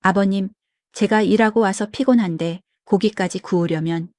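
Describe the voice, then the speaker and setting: A woman's voice: mid-range voice, normal speed, darkish tone, dry recording, natural voice. Tired young wife at the end of her rope, voiced by a woman, pleading, dry close sound. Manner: pleading, tearful complaints. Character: exhausted young wife, worn down by caregiving.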